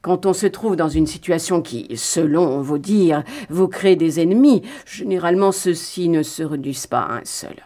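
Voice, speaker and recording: A woman's voice: fairly low pitch, moderate pace, few pauses, mellow, lightly acted. Hercule Poirot, courteous proud detective, read by a woman. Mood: aloof. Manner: courteous and formal, coolly dismissive. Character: polite, proud male detective, middle-aged.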